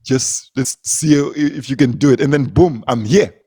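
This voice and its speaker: A man's voice: medium pitch, normal speed, warm tone, husky. A young man from Zimbabwe, a comedian, telling stories in casual conversation, laughing often and repeating words as he goes. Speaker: comedian, guest.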